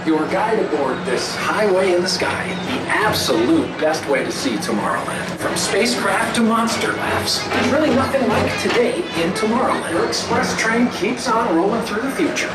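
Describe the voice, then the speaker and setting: A woman voicing a cheerful robot tour guide, narrating a ride in an upbeat, welcoming way through an outdoor loudspeaker. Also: mid-range voice. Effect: outdoor loudspeaker on a moving ride. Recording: echoey loudspeaker heard from a distance.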